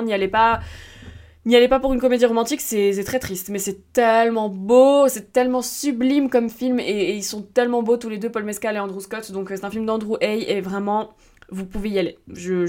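A young woman hosting a casual film podcast, chatty and self-deprecating, with lots of fillers and restarts. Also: mid-range voice. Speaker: podcast host.

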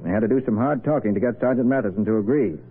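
A man's voice: fairly low pitch, racing, close to an everyday voice. An actor playing a tough, decisive detective in his thirties, speaking firmly in 1940s radio style. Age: 30s. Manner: firm, commanding. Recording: very noisy, tinny old radio recording.

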